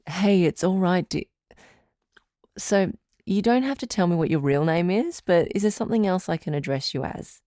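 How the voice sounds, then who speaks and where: A woman's voice: on the low side, lively intonation, normal speed, mellow, no echo, studio quality, close to an everyday voice. A woman playing a patient, reassuring doctor who hosts a radio advice show, articulate and composed, in a scripted audio drama. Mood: gentle, patient.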